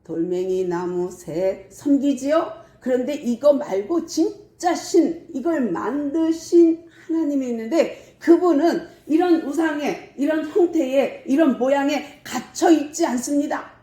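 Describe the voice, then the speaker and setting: A woman putting on a fervent male apostle, preaching boldly to a crowd in a raised, mellow voice. The sound rings around an echoey church room. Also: high voice, unhurried, few pauses, voice pushed up. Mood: proclaiming. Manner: bold proclaiming preacher.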